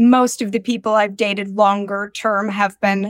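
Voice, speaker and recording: This woman has an American accent and a medium pitch. She talks at a moderate pace. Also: very clean recording, silent background. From Minnesota, US Midwest. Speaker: podcast guest, dating pitch. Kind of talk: dating pitch; casual chat. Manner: animated.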